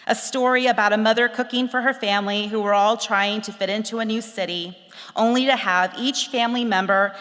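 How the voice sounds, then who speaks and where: A middle-aged woman from Texas reading a personal essay aloud, in a reflective, measured storytelling manner. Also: medium pitch, bright, forceful tone. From Texas, USA. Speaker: speaker telling a personal story. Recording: long hall reverb.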